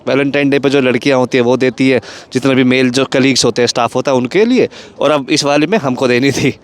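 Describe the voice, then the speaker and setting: A man from Haryana with a Haryanvi accent, telling stories in a casual, joking vlog and chuckling as he goes. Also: medium pitch. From Haryana, India. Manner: chatty and joking, laughs between lines. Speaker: vlogger.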